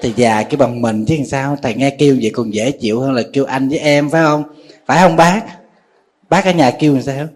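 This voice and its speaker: Husky Southern Vietnamese monk preaching. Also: male voice, mid-range voice, a little fast. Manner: folksy and conversational, questions the audience often. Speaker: Buddhist monk giving a dharma talk. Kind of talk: sermon.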